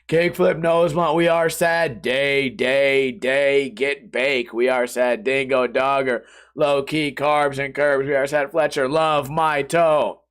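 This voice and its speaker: A man's voice: mid-range voice, steady tone, takes it slowly, a bit bright. A young man from the United States hosting his podcast while sick and half out of voice, rambling casually in slang and swear words. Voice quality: hoarse, rough voice. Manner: slangy and profane, drifting between topics. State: sick, voice partly lost. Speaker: podcast host.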